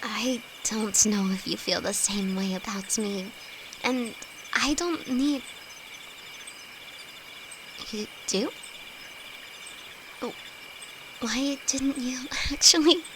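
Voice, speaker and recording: A woman playing a timid, affectionate young apprentice alchemist in an intimate fantasy audio roleplay, speaking hesitantly to her best friend. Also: fairly high pitch. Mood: surprised, happy. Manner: hesitant, halting, soft-hearted. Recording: noisy, with night insects behind. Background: crickets and night forest ambience.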